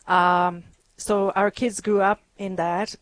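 A woman's voice: mid-range voice, flat delivery, slow, no echo. A middle-aged woman from Hungary, a radio guest speaking thoughtfully with many ums. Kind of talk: radio interview.

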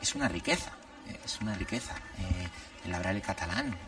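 Man, priest, low voice, reflective explanations, heard from a little off the mic. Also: brisk, a bit bright, distant mic, soft background music. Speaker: priest guest. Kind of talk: conversational religious commentary.

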